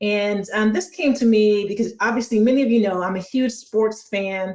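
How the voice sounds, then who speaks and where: A woman speaks at a moderate pace in a normal speaking voice, her medium pitch held in a fairly even intonation. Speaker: podcast host. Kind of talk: podcast interview.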